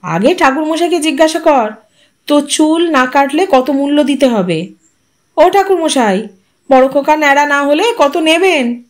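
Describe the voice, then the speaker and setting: Woman playing a loud commanding uncle who runs the show, higher and louder than the narration. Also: lively intonation, unhurried. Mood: bossy. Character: bossy loud maternal uncle, middle-aged man.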